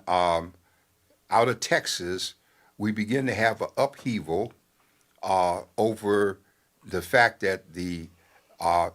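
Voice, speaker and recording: An older man, a newspaper editor, giving talk-show commentary in a measured, halting way with many fillers. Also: fairly low pitch, fairly bright tone.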